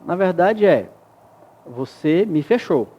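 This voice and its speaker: A man speaks as a guest in a TV studio interview, laying out ideas step by step with everyday examples. He has a fairly high voice and a warm, mellow tone, and he often checks that his listener is following. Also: sing-song, slow, lo-fi sound. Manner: reflective, explains with examples and frequent tag questions. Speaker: guest expert. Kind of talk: explanatory interview talk.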